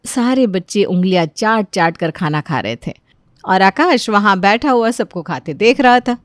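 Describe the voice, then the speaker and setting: A woman's voice: mid-range voice, lively intonation, moderate pace, dry recording. Woman telling a bedtime story. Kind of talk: children's bedtime story narration.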